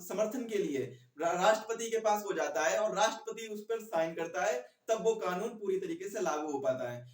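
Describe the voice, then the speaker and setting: A man teaches an online exam class. He explains step by step, repeats important phrases and asks his listeners questions. The sound is echoey, picked up some way from the mic. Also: high voice. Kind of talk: explanatory online lecture to students. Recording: echoey room, distant mic.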